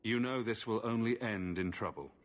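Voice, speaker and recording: Man as a low-voiced, serious fantasy hero. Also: normal speed, lightly acted. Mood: somber. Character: composed, serious adult male fantasy adventurer hero. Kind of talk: video game dialogue.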